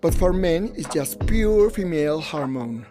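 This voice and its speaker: A man's voice: fairly high pitch, lively intonation, measured pace, music in the background. A man voicing an older gay Mexican hairstylist in a conversational, frank voice-over of personal memories. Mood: frank, reminiscing. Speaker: English voice-over translator of interviewee. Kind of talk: first-person dubbed storytelling.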